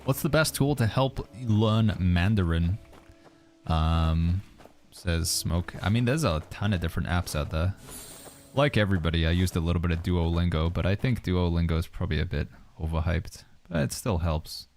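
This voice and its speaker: A man streaming a game, reading viewer questions aloud and musing through his answers in a relaxed, casual way. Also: sits low, normal speed. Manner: relaxed, reads viewer questions aloud and muses with hedging asides. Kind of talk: casual livestream chat while playing.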